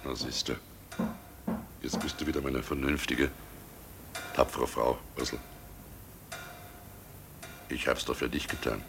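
An actor playing a guilt-ridden, wily village innkeeper, nervous and falsely jovial, in a radio play, with a gravelly, husky voice. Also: male voice, rumbling low, steady tone, slow, pauses often, noisy background, exaggerated voice. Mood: soothing, persuasive. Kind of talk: German radio play acting.

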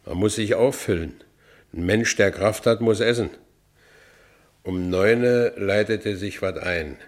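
Deep voiced berlin ex-con, burly and stubbornly cheerful, telling his story in punchy bits, radio drama. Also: takes it slowly. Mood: plain recounting. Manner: colloquial, punchy short phrases. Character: Franz, burly Berlin working man, ex-convict, plain-spoken, stubbornly cheerful. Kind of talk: radio play first-person narration.

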